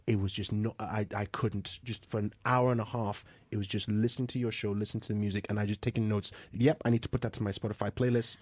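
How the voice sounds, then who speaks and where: Man, low voice, eager talk-show host, admiring, searching for words, dry studio sound. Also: a little mellow, dry recording. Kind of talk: conversational interview. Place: radio studio.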